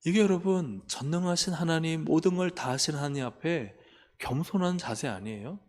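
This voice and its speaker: In a church sanctuary, a male pastor delivers a sermon, repeatedly asking the congregation questions and acting out complaining prayers in a raised voice. His voice is a little high, a little fast, and a little mellow. The recording carries the long reverb of a church hall.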